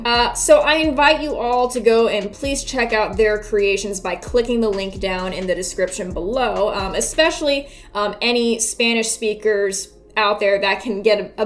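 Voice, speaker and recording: A woman in her twenties giving casual, wry and sardonic video commentary, with some casual swearing. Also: medium pitch. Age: 20s. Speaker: YouTube video essayist. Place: small indoor room before a green screen. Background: background music.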